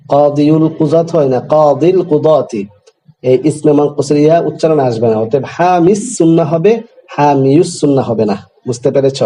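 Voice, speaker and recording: A man's voice: mid-range voice, warm tone, rough recording. A man teaching an Arabic grammar class, reading Arabic text and explaining it in Bengali with quiz-style questions to students.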